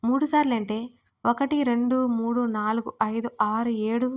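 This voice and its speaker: A woman's voice: on the high side, steady tone, unhurried, natural voice. A woman doing a playful, teasing young man.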